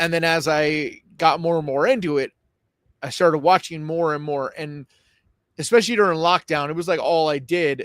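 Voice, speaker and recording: The recording is very clean, with a silent background and a dry, close sound with no echo. A man talks at a moderate pace at a fairly high pitch, with ordinary pitch variation. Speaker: horror podcast host and movie reviewer. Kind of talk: live stream Q&A. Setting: solo live stream. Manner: loud; casual, conversational.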